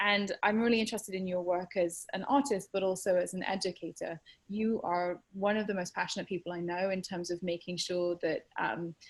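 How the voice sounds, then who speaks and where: A woman with a Scottish accent, medium in pitch, fairly quick and hardly pausing, her intonation fairly even. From Scotland. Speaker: panel moderator. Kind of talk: panel discussion. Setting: online event.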